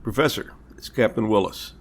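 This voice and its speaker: A man playing a polite, reassuring police captain, speaking in a measured, earnest way in an amateur audio drama. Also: lowish voice, creaky, husky. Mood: friendly. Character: courteous, reassuring male small-town police captain.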